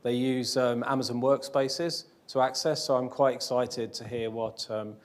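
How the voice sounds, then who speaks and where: A man's voice: mid-range voice, little pitch movement, moderate pace. A man organising a tech meetup who introduces the speaker, hesitant and self-deprecating, with many fillers. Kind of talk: event introduction. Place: meetup venue, live audience.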